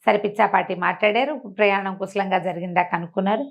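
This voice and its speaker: A woman's voice: medium pitch, fairly even intonation, fast, gravelly, highs cut off. A woman tells a folk tale conversationally, repeating phrases and slipping in small explanatory asides. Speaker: storyteller.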